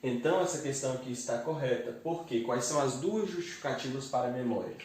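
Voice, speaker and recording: A man teaching grammar step by step and slowly sounding out the syllables of each word. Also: medium pitch, darkish tone. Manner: methodical, spells out syllables slowly. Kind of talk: explaining grammar exercises. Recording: very echoey room, distant mic.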